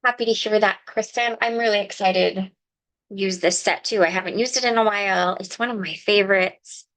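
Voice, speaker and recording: A woman's voice: mid-range voice, steady tone, fairly quick, a bit bright, low-quality recording. A woman hosting a live card-making stream in a chatty, explaining way, chatting with viewers by name and a little sniffly from a cold. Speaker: crafting livestream host. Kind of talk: casual live craft demonstration.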